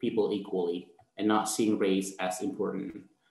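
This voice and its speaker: Here a man speaks with an Indonesian accent, a fairly low pitch, and a dark, mellow tone. His intonation is monotone and flat, at a moderate pace. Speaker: graduate student presenter. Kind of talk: workshop presentation. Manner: halting with many fillers.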